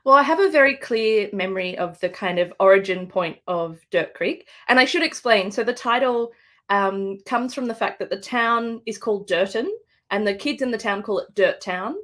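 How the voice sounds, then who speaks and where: A woman's voice: medium pitch, moderate pace, a bit bright. Australian woman, author guest, thoughtful, rambling, fillers, video call. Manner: thoughtful, meandering with fillers and restarts. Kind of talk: live video-call book interview.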